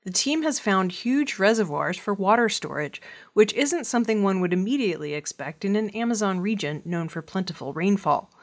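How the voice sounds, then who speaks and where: A woman reading scripted weekly news items in a measured, even delivery. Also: medium pitch. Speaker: news reader.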